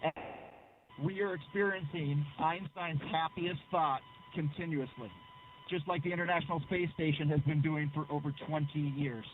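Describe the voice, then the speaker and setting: Male astronaut on a narrow, crackly space radio link, clipped radio callouts, slightly high voice. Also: fairly even intonation, moderate pace. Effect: crackly space-to-ground radio link. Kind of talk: radio exchange with mission control.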